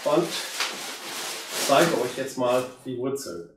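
A hoarse man in his fifties with a cold, chatting casually to viewers as he works on a plant. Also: medium pitch, slow, distant mic, background noise. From Germany. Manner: relaxed, chatty, addresses viewers directly. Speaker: bonsai hobbyist. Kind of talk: casual how-to commentary while working. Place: indoor room with curtain backdrop. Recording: very echoey room, voice off-mic.

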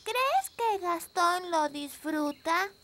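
A woman's voice: very high voice, animated, extremely slow, a bit bright, a little hiss or hum, full character voice. A woman voicing a sweet, eager little fairy princess girl in a Latin American Spanish cartoon dub, childlike and earnest. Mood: concerned, pleading.

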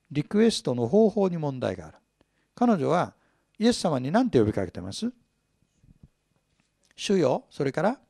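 Animated man preaching a Bible sermon. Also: a little high, vocal fry, no echo, clean studio sound. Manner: animated teaching, asks the audience questions. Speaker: pastor.

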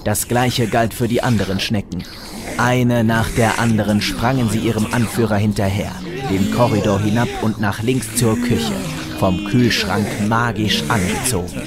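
A man narrating a comic audio drama from a script, dryly, with dramatic pauses. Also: lowish voice, fairly even intonation. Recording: music behind the voice.

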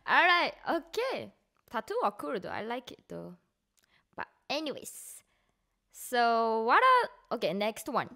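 A young Japanese woman with a Japanese accent, hosting a casual streamed chat in a bedroom on a headset, chatty and quick to laugh. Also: fairly high pitch, wildly swooping pitch, vocal fry, sharp tone. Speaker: streamer and podcast host. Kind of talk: casual chat, switching between English and Japanese. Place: bedroom at home.

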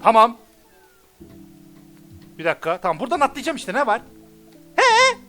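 A man with a bright, high voice gives fast, jumpy let's play commentary. He gets excited and frustrated and curses often. Faint game music plays behind him. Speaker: gamer.

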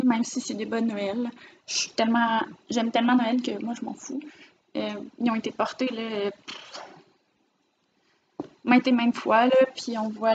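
Speaking into her own camera mic, a knitting vlogger with a Quebec French accent shows off her completed projects in a warm, chatty, meandering way. Her voice is fairly high, and the muffled recording has slight background noise.

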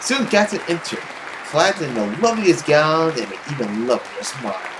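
A young man reading a visual novel aloud in a theatrical, expressive storytelling style. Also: a little high, a little fast, crowd noise, noisy background. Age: young adult. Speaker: gaming video host. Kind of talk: dramatic read-aloud narration of a visual novel. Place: small room at home, indoors. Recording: loud music under the voice. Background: loud game music.

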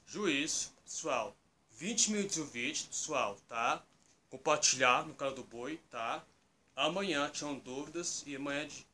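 A man's voice: fairly high pitch, sharp tone. A man with a Brazilian accent playing a talkative toy bull who hosts an improvised puppet skit, rambling and often appealing to the viewers. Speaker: host.

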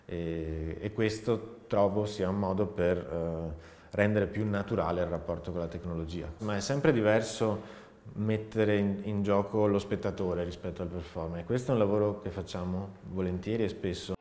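Male artist, 30s, low voice, thoughtful and halting interviewee, echoey studio. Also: fairly even intonation, a little mellow. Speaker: multimedia theater artist. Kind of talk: reflective interview monologue. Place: large dark indoor studio, seated. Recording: echoey, reverberant empty studio.

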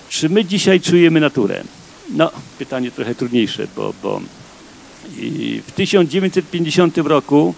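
A man's voice: on the high side, creaky, slight background noise. A middle-aged man giving a rambling public talk on an outdoor festival stage into a handheld microphone, addressing the audience directly with many fillers. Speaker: massage therapist giving a talk. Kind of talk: public lecture with audience exercises.

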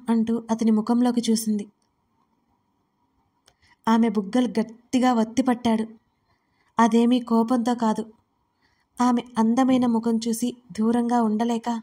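Woman reading a story out loud, steady, kinda high voice. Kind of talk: audiobook narration.

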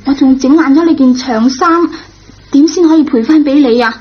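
A high-voiced schoolgirl acted by a woman, impulsive but good-hearted. She pleads earnestly in radio drama style. The sound is dull and lo-fi. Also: brisk, natural voice. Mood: insistent, pleading. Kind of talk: Cantonese radio drama acting. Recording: dull, lo-fi old radio recording.

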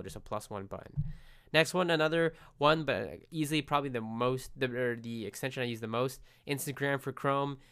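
Congested, fast-talking man. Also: medium pitch, fairly bright tone, smooth. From United States. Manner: chatty, restarts often, friendly asides. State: congested from a cold. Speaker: tech vlogger. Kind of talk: casual screencast walkthrough.

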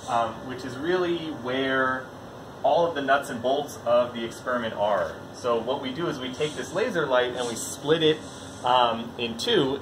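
A young man giving a relaxed, casual explanation with frequent ums while standing in a large indoor lab, picked up by a camera a few feet away. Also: mid-range voice. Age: young adult. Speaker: lab researcher giving a tour. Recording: roomy, distant with air conditioning hum.

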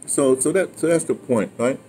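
A man's voice: medium pitch, normal speed, mellow. An older American man telling stories casually in conversation, emphatic and digressive, often repeating his words. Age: older, 60s or 70s. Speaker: interviewer and former radio dramatist telling his own history. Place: outdoor patio at a table. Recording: noisy outdoor restaurant ambience.

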